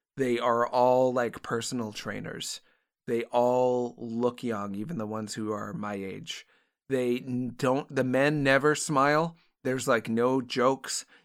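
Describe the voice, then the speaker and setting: Here is a man with a plain, everyday voice, medium pitch and fairly even intonation. He speaks at a fairly slow pace on a very clean recording with a silent background. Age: 40s. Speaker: podcast co-host. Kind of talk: casual chat.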